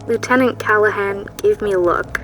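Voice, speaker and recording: An actress playing a haunted, sleepless woman, narrating a dramatic first-person account in a measured, hushed, ominous way. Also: mid-range voice, close to an everyday voice, rough recording. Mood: foreboding. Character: haunted, sleepless woman recounting an eerie night. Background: music.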